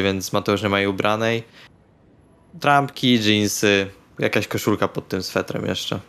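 A man's voice: fairly low pitch, vocal fry, fairly bright tone. A man speaking casually and bluntly as a player in a tabletop role-playing session. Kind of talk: casual in-character banter in Polish tabletop session.

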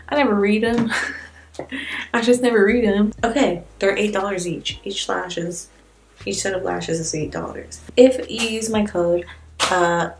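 Chatty woman with a gravelly edge. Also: medium pitch, a little hiss or hum. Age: 20s. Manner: candid, rambling, wry and self-mocking. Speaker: beauty vlogger. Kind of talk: casual chatty makeup tutorial. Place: small indoor room with plain wall.

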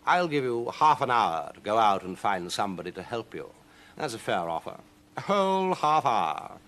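Guy doing a sly demon cat for a kids story, lazy drawl, bossy and teasing, lively pitch. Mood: imperious. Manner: drawling, deliberate, smug. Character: sly, imperious male demon cat, lazily taunting.

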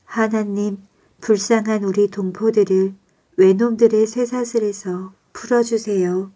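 A woman reading the lines of a determined teenage girl patriot in a bedtime storybook, earnest and resolute, slow and mellow. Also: medium pitch, steady tone, close to an everyday voice. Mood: pleading prayer.

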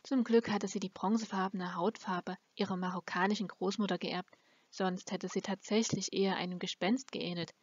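A woman's voice: medium pitch, steady tone, moderate pace, no room sound. A woman reading a fantasy novel aloud as an amateur audiobook narrator. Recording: dull, lo-fi close recording.

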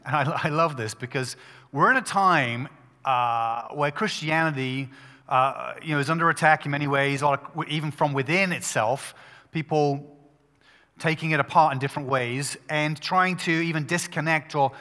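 A male pastor preaching a sermon at a pulpit microphone, talking in an emphatic, conversational way with quick restarts. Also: a little high, pushed and bright, long reverb tail.

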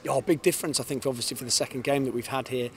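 A man in his thirties, a football head coach, giving an earnest post-match interview outdoors on a floodlit pitch into a handheld mic, often repeating words as he starts a sentence. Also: fairly even intonation, very fast. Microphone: handheld reporter's mic held in front. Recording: outdoor stadium noise behind.

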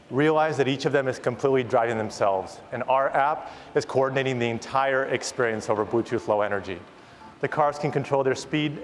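A man in his thirties, a company founder, giving an enthusiastic, rehearsed keynote product presentation on a large conference stage. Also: mid-range voice. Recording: long hall reverb, audience noise.

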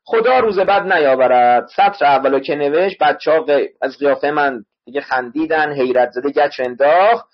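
Man teaching a literature class online, a bit husky, drills words and spellings over a muffled lo-fi mic. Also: on the high side, hardly any pauses. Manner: explains word by word, repeats spellings to students. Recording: dull lo-fi online class audio.

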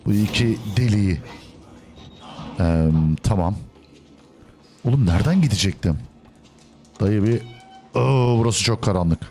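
A man hosting a gaming video, casually commenting on his play in a joking way. He talks back to the game characters and swings between loud outbursts and low mutters. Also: unhurried, long pauses, soft background music. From Turkey.

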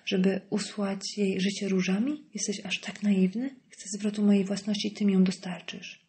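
A woman's voice: mid-range voice, flat delivery, normal speed, warm tone, slight background noise, natural voice. A woman reading an audiobook voices a cold, scornful wealthy wife, icy and sarcastic.

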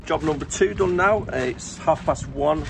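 Young lorry driver, relaxed running commentary, recorded in the cab over heavy engine and road noise. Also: male voice, fairly high pitch, a little slow, vocal fry. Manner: talks himself through manoeuvres, relaxed and chatty. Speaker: truck driver vlogger. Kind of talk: casual running commentary while driving. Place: cab of a lorry, outdoors in industrial estate. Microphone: camera on the cab door filming him. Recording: loud engine and street noise.

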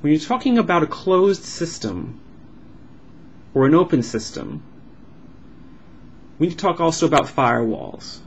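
A man voicing a signed vlog as an interpreter, explaining in halting phrases with uneven pauses. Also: on the high side, animated. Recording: dull lo-fi sound with clear background noise.

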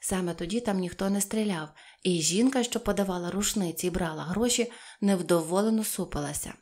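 A woman's voice: on the low side, fairly quick, a little mellow. Woman reading a children's story. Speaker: audiobook reader.

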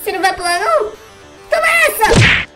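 A woman's voice: very high-pitched, animated, normal speed. A woman voicing a whiny, defensive, bickering cartoon villain in an improvised gaming skit. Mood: taunting, bickering. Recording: loud music behind the voice.

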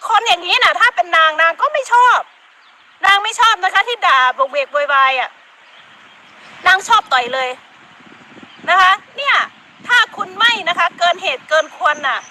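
A woman's voice: very high-pitched, sing-song, moderate pace, sharp tone, slight background noise. A middle-aged woman with a Northeastern Thai Isan accent, ranting emphatically during a casual live stream. She scolds and laughs often.

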